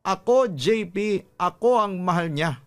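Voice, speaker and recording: A man's voice: high voice, expressive, unhurried, a bit bright, clear, resonant tone, voice pushed up. A man voicing a brazen, smug mistress in a dramatized radio story, drawling and boastful as the character taunts a rival. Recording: music under the voice.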